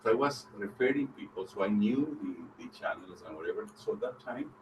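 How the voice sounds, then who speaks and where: A man from El Salvador giving a personal account on a panel, halting and restarting phrases. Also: fairly low pitch, expressive. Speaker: panel speaker. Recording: distant, noisy recording.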